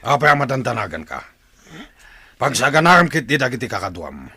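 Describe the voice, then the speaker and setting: A man with an Ilocano Filipino accent playing a commanding, hot-tempered tribal chief and stern father in a radio drama, with a rough, gravelly voice. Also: medium pitch, sing-song, a little fast, pushed and bright, no echo, exaggerated voice. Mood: angry, alarmed. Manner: authoritative, barking orders.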